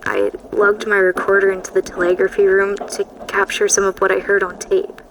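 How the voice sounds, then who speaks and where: An actress playing an uneasy woman recording a haunted account for an audio drama, measured and hushed. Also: mid-range voice, completely flat delivery, a little hiss or hum, natural voice, low-quality recording. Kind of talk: audio drama monologue, tape diary.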